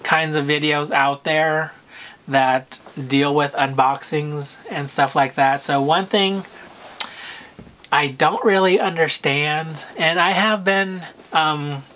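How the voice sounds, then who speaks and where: A man talking casually to camera about luxury purchases, with a soft, soothing voice and a hesitant manner full of pauses and fillers. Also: a little high, fairly even intonation. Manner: unhurried, hesitant, full of "um" and "you know", frequent throat clearing. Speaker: luxury fashion vlogger.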